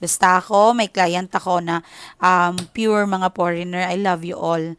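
A woman's voice: fairly low pitch, steady tone, a little slow, fairly bright tone, clean tone. Chatty Filipina woman reading tarot. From Philippines. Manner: chatty, switches into English, frequent "okay?". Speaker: tarot reader. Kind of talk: casual tarot reading chat.

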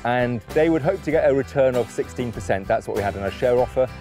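A man's voice: medium pitch, expressive, fast. A man speaking plainly about his wind farm co-op in a documentary interview. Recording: music bed underneath.

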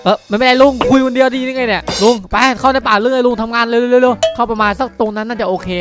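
A performer voicing a brash, excitable poor young male worker, whiny and pleading, in a Minecraft roleplay cartoon. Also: mid-range voice, racing, over music, lightly acted. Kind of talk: improvised Minecraft roleplay dub.

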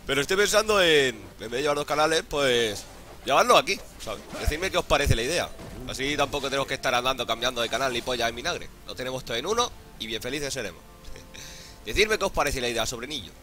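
A hungover gaming YouTuber with a Spanish (Spain) accent gives casual gameplay commentary that's jokey, crude, and full of profane slang. His mid-range voice is expressive, fast, and sharp.

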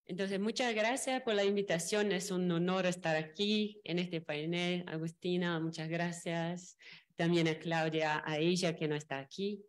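A Brazilian woman, a native Portuguese speaker, giving panel remarks in halting Spanish mixed with Portuguese, into a table microphone. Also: lowish voice, fairly even intonation. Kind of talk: semi-spontaneous panel remarks. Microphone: gooseneck table microphone.

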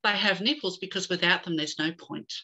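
A middle-aged woman from Australia, a guest on a video call, telling her story in an animated way and slipping in jokes. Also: lowish voice, fairly quick, muffled recording. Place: home room with bookshelves.

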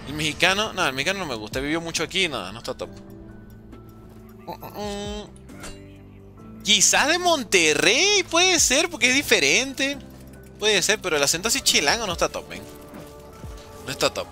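A young man chatting jokily with his stream chat while playing, with sudden animated outbursts. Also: high-pitched. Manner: jokey, reads and answers chat, animated outbursts. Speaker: gaming streamer.

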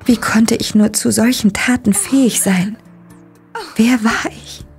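A woman's voice: on the high side, fairly even intonation, measured pace, darkish tone. Woman narrating as a shaken young woman. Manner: dramatic, breathy, dropping to whispers. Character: young woman recounting a shocking discovery. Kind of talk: first-person audio drama narration. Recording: narration over music. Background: music.

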